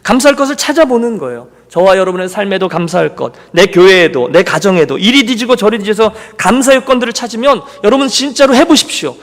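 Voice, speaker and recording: A man's voice: sits high, lively intonation, quick pace, few pauses. A male pastor giving a Sunday sermon, telling a story and voicing the people in it. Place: church sanctuary. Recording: long reverb of a church hall.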